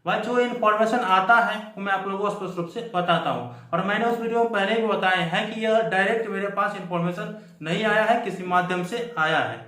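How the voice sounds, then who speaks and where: A man's voice: high voice, fairly quick, hardly any pauses, bright, forceful tone. A man giving an emphatic explanatory update to viewers, repeating his points, as host of a student news channel. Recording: echoey room.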